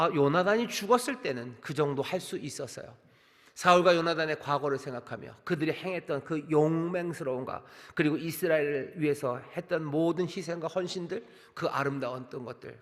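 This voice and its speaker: A male pastor giving a sermon, earnest and sorrowful, dropping into quiet repeated laments. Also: a little high, long reverb tail. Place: large church sanctuary.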